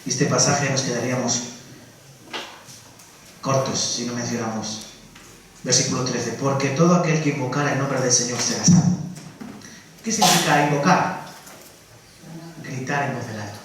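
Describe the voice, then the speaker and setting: A man preaching a Sunday sermon in a lively way, dropping to soft asides and rising to loud calls, acting out quotes. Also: mid-range voice, moderate pace, pauses often, noisy background. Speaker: pastor. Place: church hall. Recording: echoey church room from far off.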